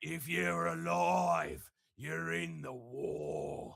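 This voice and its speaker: In a put-on character voice with an Australian accent, a man growls at a very deep, low pitch, gravelly and very slow, with lively intonation. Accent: thick Australian. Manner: gruff, grim.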